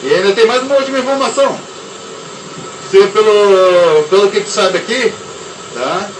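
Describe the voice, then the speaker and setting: A man's voice: high-pitched, normal speed. A man, a former repair technician, explaining casually and stumbling over repeated words. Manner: hesitant, repeats words often. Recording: echoey room, far from mic, noisy.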